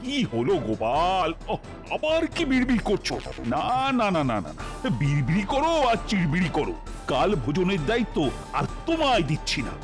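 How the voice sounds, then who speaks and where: A pompous old king who frets and scolds in big dramatic swoops. His voice sits fairly high and leaps all over the place, with music underneath. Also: wildly swooping pitch, fairly quick. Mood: exasperated. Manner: exasperated, dramatic. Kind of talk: cartoon voice acting.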